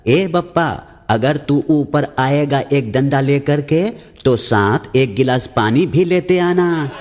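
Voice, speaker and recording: A man's voice: medium pitch, takes it slowly, darkish tone, voice pushed up, lightly acted. A man voicing a cheeky young son who keeps asking for water. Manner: wheedling, cheeky. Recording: long hall reverb.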